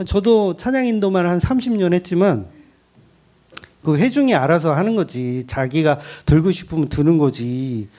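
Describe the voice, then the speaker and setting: A man's voice: a little high, mellow. A middle-aged man preaching a sermon as pastor, candid and joking, often laughing at himself.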